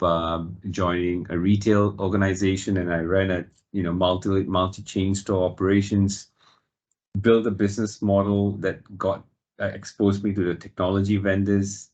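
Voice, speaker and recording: Low, flat-voiced man from Singapore. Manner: measured, reflective, with frequent fillers. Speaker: guest. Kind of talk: interview answers.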